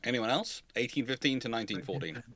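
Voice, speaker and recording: A man hosting a live question-and-answer chat, halting and repeating words as he reads and answers. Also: mid-range voice, lively intonation, a bit bright, no echo. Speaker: host answering viewer questions. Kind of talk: live Q&A chat on naval history.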